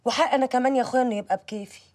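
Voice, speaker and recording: An actress playing an irritable wife who speaks Egyptian Arabic, snapping and complaining. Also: female voice, high-pitched, rapid-fire, a little mellow, natural voice. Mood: irritated. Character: irritable wife, refusing and sharp-tongued.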